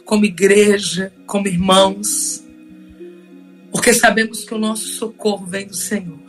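A woman's voice: medium pitch, a bit bright. A woman pastor leading a fervent spoken prayer on a radio program. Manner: fervent, rising prayer cadence.

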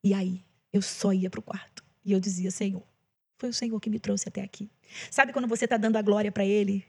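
A Brazilian gospel singer, appearing as a podcast guest, shares an emotional testimony in casual conversation, repeating phrases for emphasis. Her medium-pitched voice is steady, fairly quick and dark, with vocal fry and a slightly rough quality.

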